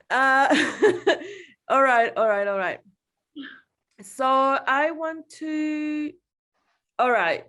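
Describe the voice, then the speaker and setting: A woman from El Salvador giving an informal, personal artist's talk over a video call, halting and self-deprecating, often laughing as she speaks. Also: sits high, animated, fairly bright tone. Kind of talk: informal personal reflection in an online panel.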